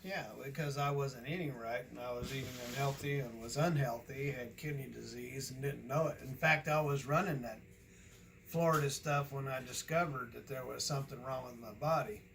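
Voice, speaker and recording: A man's voice: mid-range voice, steady tone, moderate pace, vocal fry, fairly bright tone, a little hiss or hum, rough recording. An American man in his sixties, a trucker chatting casually in a folksy, rambling way. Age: 60s. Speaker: owner-operator trucker and vlogger. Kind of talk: casual chat on a phone call and to camera.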